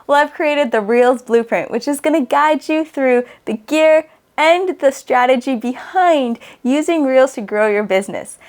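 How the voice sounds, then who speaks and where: A woman's voice: sits high, lively intonation, a little slow, darkish tone. A woman host presenting a tutorial in an instructive, conversational way, as an online educator. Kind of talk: tutorial narration to camera.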